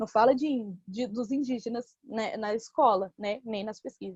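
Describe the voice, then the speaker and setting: A woman talks with ordinary pitch variation in a dry, close recording that has no echo. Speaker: history lecturer. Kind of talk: online lecture.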